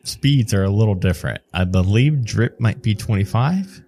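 Relaxed GM, man, lowish voice, animated delivery, laughs a lot. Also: normal speed, a little hiss or hum. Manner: casual, laughing, loose. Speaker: game master. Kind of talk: narrating a tabletop game.

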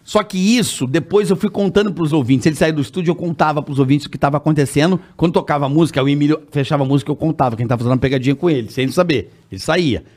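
A man telling a prank story in casual chat, animated and profane, laughing often. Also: fairly high pitch, racing, few pauses.

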